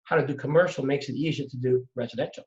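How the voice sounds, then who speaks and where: A middle-aged man from Trinidad and Tobago, a real estate investor telling his story in an emphatic, animated way during a conversation. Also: medium pitch, quick pace. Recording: dull lo-fi audio.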